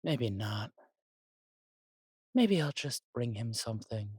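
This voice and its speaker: A man's voice: mid-range voice, big pitch swings, takes it slowly, a little mellow, husky, no room sound, studio quality, exaggerated voice. A man playing a chatty, fussy angel in an audio drama, with theatrical, musing asides. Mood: dreamy, musing. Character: chatty, fussy, coffee-loving male angel, teasing elder brother.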